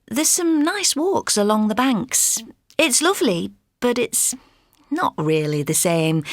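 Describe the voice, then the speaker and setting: Woman, gentle, wistful, mid pitch, dry. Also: dry recording. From Yorkshire, England. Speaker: interviewee in a listening exercise.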